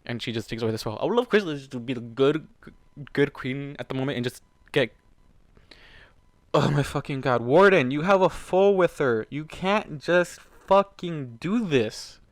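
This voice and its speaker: A man's voice: a little high, expressive, moderate pace, dry recording. A man reading fan fiction aloud and ranting about it in an exasperated, profane way, addressing the characters directly. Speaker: fan fiction reader and reactor. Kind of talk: reading a story aloud with angry ranting commentary.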